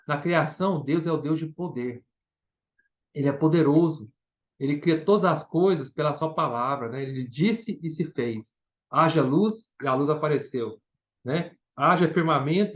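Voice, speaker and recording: A man's voice: a little high, dull audio. Brazilian man preaching a Bible study. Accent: Brazilian Portuguese. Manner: explanatory, repeats words and asks "né?".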